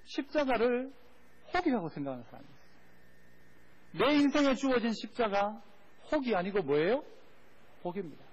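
A male pastor, preaching a sermon with call-and-response and questions to the congregation. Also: high-pitched. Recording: dull lo-fi recording.

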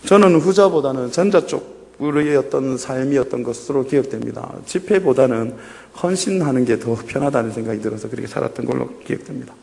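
A man's voice: medium pitch, fairly quick, gravelly, dark tone, big-room sound. A male pastor giving a sermon and leading a scripture reading, speaking earnestly and addressing the congregation directly. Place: church sanctuary.

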